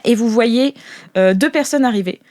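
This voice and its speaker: A woman's voice: fairly high pitch, normal speed, a little mellow, no echo. A woman improvising narration as a tabletop game master, feeling her way through descriptions. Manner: hesitant, improvising as she describes scenes.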